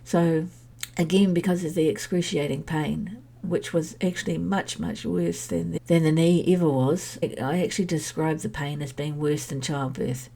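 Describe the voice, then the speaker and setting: A middle-aged woman hosts her own podcast, her voice low and husky and her tone mellow. She is stuffy with a head cold and speaks candidly, in a chatty, meandering way. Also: fairly even intonation, moderate pace, few pauses. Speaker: podcast host sharing her health journey. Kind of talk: personal podcast monologue.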